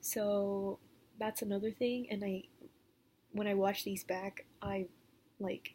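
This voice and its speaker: A woman speaks at a very slow pace in a dark, mellow, somewhat breathy tone. Her intonation is monotone and flat, with long, frequent pauses. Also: medium pitch for a woman. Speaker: vlogger. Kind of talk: casual monologue vlog. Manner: hesitant, full of fillers; jumps between thoughts.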